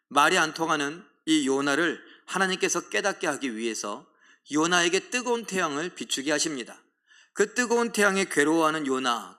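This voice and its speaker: A middle-aged pastor delivers a sermon in a bright, ringing voice that sits a little high for a man. He preaches dramatically, voicing complaints with rising force, and leads a group reading of scripture aloud.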